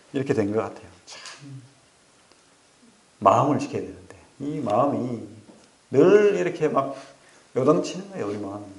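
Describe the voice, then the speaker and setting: Male pastor for a sermon, gravelly voice, lively storyteller who keeps checking in with the pews, roomy church sound. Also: mid-range voice. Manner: animated storytelling with rhetorical questions to the congregation. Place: church sanctuary.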